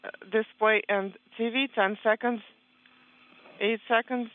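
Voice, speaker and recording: A man interpreting crew calls live over a radio comm link, speaking in halting, clipped technical callouts. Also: sits high, fairly even intonation. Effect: radio communicator link, like a sci-fi comm channel. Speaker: interpreter on the space-to-ground comm loop. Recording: tinny narrowband radio link with faint hiss.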